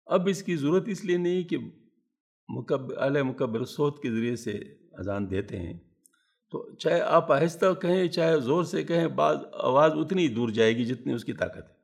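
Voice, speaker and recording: A man preaching a sermon in a mosque, speaking calmly and unhurriedly into a microphone without shouting. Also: on the high side, vocal fry. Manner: calm, unhurried, deliberately not shouting. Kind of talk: Islamic sermon. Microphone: loudspeaker microphone.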